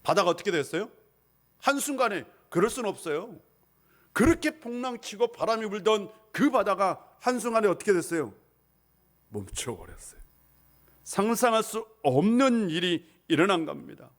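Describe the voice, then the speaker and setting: Brief: male pastor, lively sermon, high voice with big swings in pitch. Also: moderate pace. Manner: animated preaching, asks the congregation questions, acts out shouted rebukes. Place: church sanctuary.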